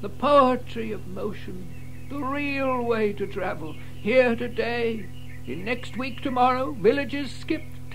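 A man playing a vain, reckless gentleman toad in a children's audio drama, grandiose and dreamy, savouring each phrase. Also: extremely high pitch, creaky, exaggerated voice, low-quality recording. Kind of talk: full-cast children's audio drama acting.

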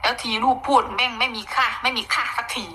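Woman, Isan accent, gossip commentator, bright fairly high voice, chatty and opinionated, faint noise behind. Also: fairly even intonation, fast talker, poor audio. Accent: Isan (Northeastern Thai). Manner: chatty, opinionated, mixing in Isan dialect, bursts of exclaiming. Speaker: online commentator.

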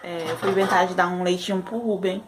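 A woman's voice: on the low side, fairly even intonation, fairly quick, noisy background. A young Brazilian mother vlogging casually at home, tired after a sleepless night, talking in a chatty way full of sighs. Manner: chatty, sighing, with frequent "ai" and "né".

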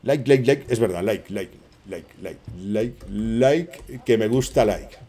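A man's voice: fairly low pitch, slow pace, warm tone. A middle-aged man from Spain with a Spanish accent, chatting casually and swearing as he plays and talks to viewers over a headset mic. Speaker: gaming channel host. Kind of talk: casual gameplay commentary.

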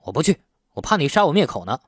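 A man's voice: a little high, sing-song, fast, breathy edge, dry recording, studio quality. A man voicing an aggrieved, defiant young man in an audiobook, argumentative and sarcastic. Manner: indignant, argumentative.

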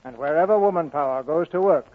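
A man's voice: a little high, quick pace. A man hosting a 1940s radio theatre broadcast, reading scripted announcements. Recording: muffled narrowband vintage radio broadcast.

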